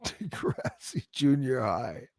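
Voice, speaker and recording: Man, forties, Canadian accent, medium pitch, livestream host, casual, rambling, halting delivery, dry recording. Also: huge pitch swings, no room sound. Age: 40s. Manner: rambling, halting, greeting viewers by name. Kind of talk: casual live chat, reacting to viewer comments.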